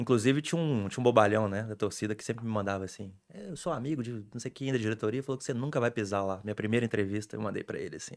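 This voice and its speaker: A man's medium-pitched voice at a very fast pace with hardly any pauses, ordinary pitch variation and big swings in loudness, on a very clean recording with a silent background. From Minas Gerais, Brazil. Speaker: sports journalist. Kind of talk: casual chat.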